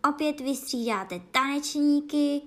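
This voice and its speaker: A woman doing a loud, boisterous griffin. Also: mid-range voice, lightly acted. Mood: shouting. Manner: shouting, eager.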